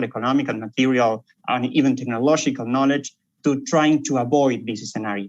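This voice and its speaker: This man speaks with a Spanish accent. His pitch is fairly high, with ordinary variation. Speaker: symposium speaker. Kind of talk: conference presentation. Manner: halting, many repetitions and fillers.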